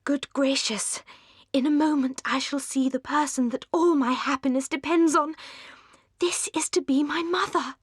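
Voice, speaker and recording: Gushing young schemer, played by a female narrator: breathy, insinuating, falsely sweet, period-novel audiobook, close dry sound. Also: high voice, fairly even intonation, moderate pace, no room sound, voice pushed up, close to an everyday voice. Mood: breathless, agitated.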